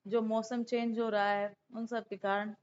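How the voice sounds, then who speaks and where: A woman with a hoarse, sore throat, teaching an exam-prep lesson in an explanatory way and mixing in English terms. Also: a little high, level tone, a little slow, darkish tone, slight background noise. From India. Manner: instructive, checks in with "okay", mixes in English terms. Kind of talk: explanatory exam lesson, going through questions. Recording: dull lo-fi sound.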